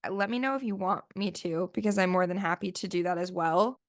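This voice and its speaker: Solo podcast host, woman, chatty and rambling, smooth voice, a bit sniffly after the flu. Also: on the low side, a little fast. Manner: chatty, rambling, lots of "like" fillers. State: sniffly, voice still recovering from flu. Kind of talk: casual solo podcast chat.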